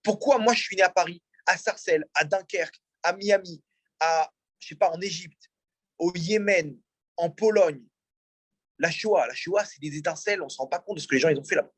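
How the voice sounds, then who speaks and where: A man's voice: high voice, moderate pace, slightly rough, no room sound. A man, a rabbi, teaching a religious class and asking his audience questions as he explains. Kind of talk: religious lecture. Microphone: in-room mic, also streamed on a video call.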